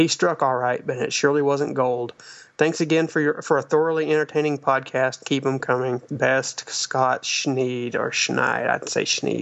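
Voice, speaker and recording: Speaking at a moderate pace with an American accent, a man uses a plain, everyday voice, fairly high in pitch and fairly even in intonation. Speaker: horror film podcast co-host. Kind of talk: casual chat. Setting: remote call.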